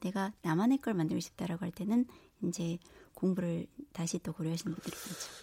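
A woman speaks at a moderate pace in a somewhat breathy voice with a dark, mellow tone. The sound is dry and close with no echo, on a very clean recording with a silent background. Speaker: pastry chef. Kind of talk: interview. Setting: studio.

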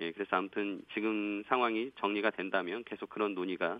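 Here is a man with an ordinary speaking voice and a fairly low pitch. He talks at a moderate pace. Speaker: member of parliament. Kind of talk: radio interview. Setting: phone call.

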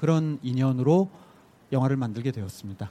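A man speaks at a moderate pace with fairly high pitch. His pitch varies in an ordinary way. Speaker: film director. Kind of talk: talk show interview. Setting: outdoor open studio with live audience.

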